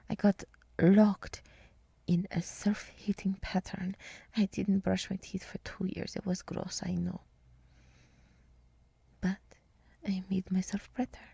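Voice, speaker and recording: Woman as a breathy, whispering gentle deer girl. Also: mid-range voice, no room sound, full character voice. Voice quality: soft, breathy, mostly whispered. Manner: slow, earnest, encouraging, rambling. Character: gentle, earnest deer woman living in a forest. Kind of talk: ASMR roleplay, soft intimate monologue.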